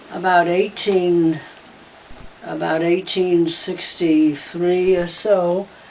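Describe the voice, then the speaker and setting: A woman with an American accent speaks at a very slow pace in a monotone, flat intonation, with audible room echo and noticeable background noise. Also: long, frequent pauses. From New York, Far Rockaway. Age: 90s. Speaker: interviewee, elderly relative. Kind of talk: family interview.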